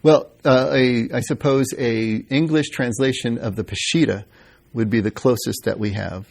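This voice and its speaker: A man's voice: mid-range voice, normal speed, creaky. A man teaching Bible history in an informal lecture, answering questions and thinking aloud with fillers and restarts.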